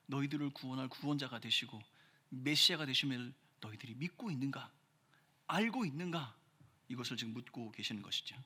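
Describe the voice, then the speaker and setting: A man preaching a sermon as pastor, earnest, pressing hard on key phrases and then dropping his voice low. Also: sharp tone. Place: church sanctuary. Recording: church hall reverb.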